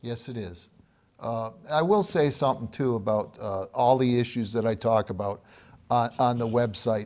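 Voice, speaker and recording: A man speaks at a moderate pace in an ordinary speaking voice, with an American accent and a medium pitch. The recording is very clean, with a silent background. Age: 60s. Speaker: congressional candidate. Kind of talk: interview.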